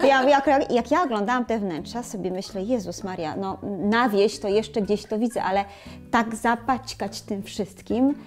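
A young woman co-hosting a casual chat, candid and expressive, on a lapel mic in a bright room. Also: mid-range voice, normal speed, soft background music. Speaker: co-host.

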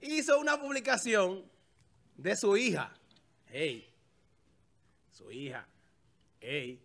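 A man hosting a jokey studio chat, talking in a high, bright voice with a gravelly edge. He teases playfully and stumbles through fillers as he goes. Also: wildly swooping pitch, takes it slowly. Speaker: show host.

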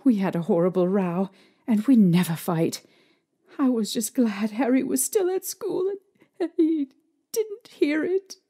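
A woman playing a frightened young mother in an audio drama, recounting a haunting with halting, emotional delivery. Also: fairly high pitch, animated, dark tone. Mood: distressed. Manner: halting, emotional storytelling with trembling pauses. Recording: eerie music behind.

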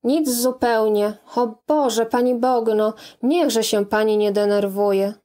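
A woman's voice: on the high side, fairly even intonation, slow, mellow. A woman reading the part of a hesitant, evasive young man who speaks in a soothing, careful way.

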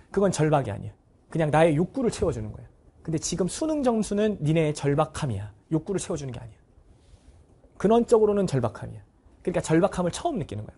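Man, Korean-language teacher, motivational talk, blunt and scolding, lively pitch, slightly raspy. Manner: acts out students' voices in short bursts.

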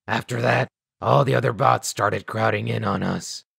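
A man voicing a weary, bitter, self-deprecating ghoul scavenger in a video game, raspy and gravelly, with grudging, halting delivery. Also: lowish voice, fairly even intonation, a bit bright, dry recording, clean studio sound, full character voice. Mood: wary, resigned. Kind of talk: video game dialogue acting.

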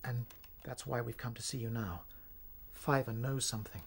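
An actor playing a polite, loyal young rabbit in a radio drama, earnest and protective. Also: male voice, mid-range voice, steady tone, moderate pace, creaky, slightly rough. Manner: courteous, earnest.

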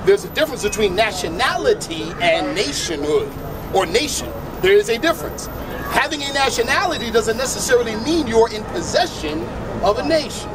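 A middle-aged man holds forth into a handheld mic on a noisy city sidewalk, with lively pitch swings in a high register. He lectures in a measured way and circles back over his phrases, while a crowd murmurs and traffic noise runs behind him. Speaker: street debater. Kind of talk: outdoor public debate. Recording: noisy outdoor street recording.

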